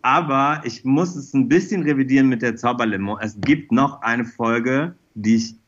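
A man's voice: medium pitch, moderate pace. Effusive middle-aged man, slightly muffled. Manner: enthusiastic, rambling, effusive. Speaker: interview guest, fashion designer. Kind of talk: casual podcast chat, personal anecdotes.

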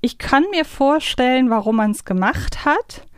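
A woman's voice: high-pitched, expressive, unhurried, clear, resonant tone, no room sound, clean studio sound. A woman co-hosting a podcast in casual discussion, conversational and thinking aloud as she goes. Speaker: podcast co-host.

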